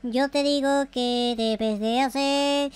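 A performer voicing a scolding but indulgent mother in a game roleplay, chiding in slangy, drawn-out phrases. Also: sits high, steady tone, clean tone, no echo, soft background music, pitched below the performer's own voice.

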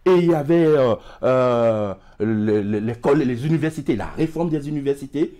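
This TV studio guest, a middle-aged emigration expert with a West African French accent, speaks into a lapel mic in a mid-range, dark, expressive voice at a moderate pace. He gestures widely and keeps stumbling over repeated words.

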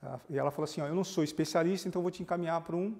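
With a gravelly, high-leaning voice and a racing pace, a pastor recounts his testimony for a TV interview. The story is animated, complete with acted-out quoted dialogue, and a long reverb tail trails his words.

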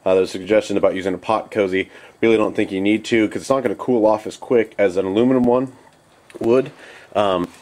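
A young man with a fairly low voice walks through a camp cooking demo in a loose, rambling way, dropping plenty of fillers as he goes. He is outdoors at night beside a small stove, close to a handheld camera. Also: brisk. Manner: relaxed, rambling, lots of fillers. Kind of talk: casual how-to demonstration.

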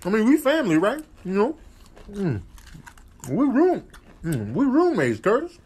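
Man voicing a lively, high-pitched chummy bird. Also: measured pace, breathy edge, full character voice. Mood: cajoling. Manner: slangy, repeats catchphrases. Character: chummy, cheeky talking bird mooching food. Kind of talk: comedic animal voiceover.

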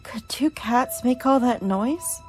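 Young woman doing a nervy bossy college girl in a scary radio play, slow halting lines, music under her. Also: on the high side, a little mellow. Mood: tense, hushed. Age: young adult. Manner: halting, emphatic. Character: tense college girl, scolding, trying to stay sensible. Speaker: radio drama actor. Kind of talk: suspense radio play acting.

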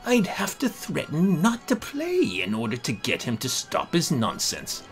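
A man's voice: fairly high pitch, wildly swooping pitch, a little slow. A man giving a theatrical, emphatic dramatic reading of a horror comic story. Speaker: amateur narrator. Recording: voice over background music.

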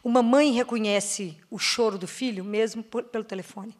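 Preaching in a church or parish hall, a woman speaks to her parish prayer group in a Brazilian Portuguese accent. Questions are directed at the listeners, stressed words are slowed, and key phrases fall to a soft, low voice.

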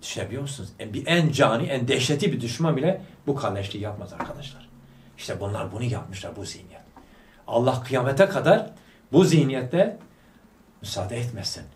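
A man leads a religious study talk with fervor, throwing rhetorical questions and coaxing the audience to reply. His mid-pitched voice comes from a distance in a reverberant hall. A faint background hiss sits under the speech. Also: big pitch swings, brisk. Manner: fervent, fires rhetorical questions at listeners; prompts the audience to answer aloud. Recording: echoey room, voice picked up from afar.

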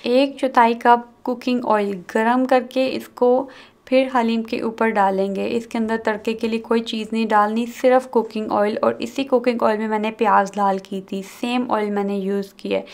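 A woman host narrating a cooking video, calmly explaining each step and mixing in English words. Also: a little high. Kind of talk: recipe voice-over narration.

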